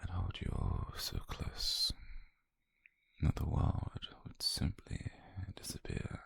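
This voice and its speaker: A British man playing a calm, possessive, obsessed doctor in an intimate ASMR roleplay, speaking slowly and haltingly in a husky, breathy near-whisper. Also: a bass voice, dry recording, heavily acted. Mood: obsessive, intimate. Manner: slow, halting, intimate delivery.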